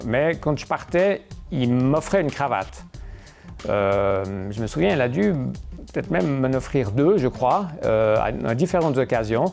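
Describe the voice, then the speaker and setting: Music plays behind a man with a Vaud accent and a medium pitch, whose voice swings very widely in pitch. He talks at a fairly slow pace, with long, frequent pauses. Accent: Vaud Swiss French. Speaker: property management company director. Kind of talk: interview answer. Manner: calm, reassuring.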